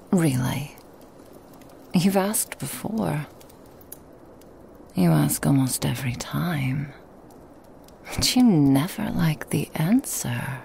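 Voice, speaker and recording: A woman voicing a seductive, possessive female Krampus demon in a whispered ASMR roleplay, teasing and mocking in an intimate hush. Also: low voice, gravelly, a little hiss or hum, heavily acted.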